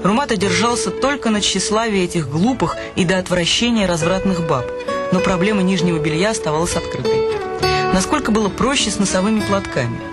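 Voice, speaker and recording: A man narrating a literary radio play in a measured, expressive way. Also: high-pitched. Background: music.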